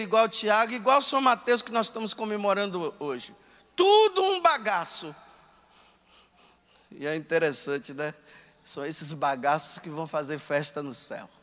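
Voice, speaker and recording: A man, a priest, giving a lively, conversational sermon and voicing the people he quotes. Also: high-pitched, big-room sound.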